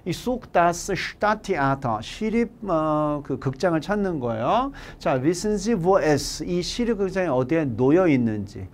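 A middle-aged man teaching German, going through exam questions in a lively, joking lecture that slips into casual speech. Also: a little high, measured pace, few pauses.

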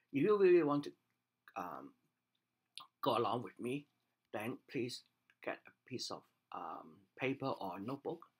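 Older cantonese-native guy teaching on a webcam, low husky voice, slow careful explaining. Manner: measured, plain explaining with pauses and restarts. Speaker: language teacher. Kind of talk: unscripted video lesson. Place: home study with bookshelves, indoors. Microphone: webcam at desk.

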